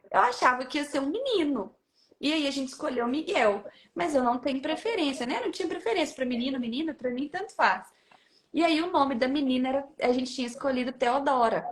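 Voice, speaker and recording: High-voiced woman telling a story. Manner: acts out quoted people, laughs often. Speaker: guest sharing a testimony. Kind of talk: animated storytelling.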